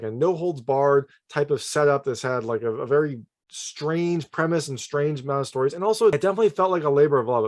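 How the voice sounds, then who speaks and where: A man's voice: a little high, darkish tone. A man hosting a casual video movie review, talking in a chatty, informal and emphatic way. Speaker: film reviewer and channel host.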